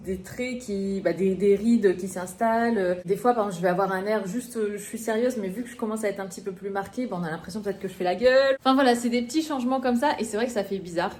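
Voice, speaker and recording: A woman's voice: mid-range voice, fast talker, few pauses, a little mellow, a little hiss or hum. A woman in her thirties from northern France, chatting and confiding to camera in a casual vlog, with many fillers. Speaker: vlogger.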